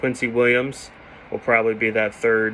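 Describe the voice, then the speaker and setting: A medium-pitched man at a moderate pace, with noticeable background noise. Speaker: sports commentary YouTuber. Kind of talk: casual solo commentary. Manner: halting, many fillers.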